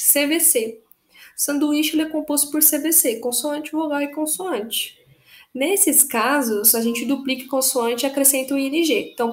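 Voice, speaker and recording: A young woman with a Brazilian accent teaches a recorded grammar lesson, her voice sitting high and bright. She explains patiently, going over each rule again and spelling words letter by letter. The room around her rings with a noticeable echo. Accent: Brazilian Portuguese. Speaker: English teacher.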